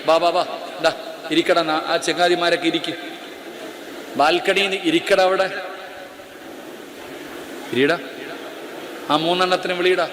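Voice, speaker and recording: Male preacher, live sermon, commanding storyteller; slightly high voice, roomy hall reverb. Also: fairly even intonation, unhurried, pauses often, noisy background. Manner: commanding, bossy asides to the crowd, then dramatic storytelling. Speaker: Islamic preacher. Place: auditorium. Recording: echoey auditorium with long reverb.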